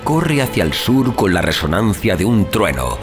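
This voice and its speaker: A man's voice: on the low side, sing-song, moderate pace. A man playing an anguished young adventurer, narrating a horror sea tale in a theatrical, literary, intense style. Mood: awed dread. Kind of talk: dramatic horror audiobook narration. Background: music.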